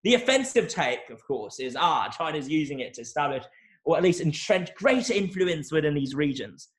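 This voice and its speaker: A young male academic giving an analytical interview answer, measured and hedging, often repeating words as he restarts. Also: fairly high pitch, very animated. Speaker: academic guest.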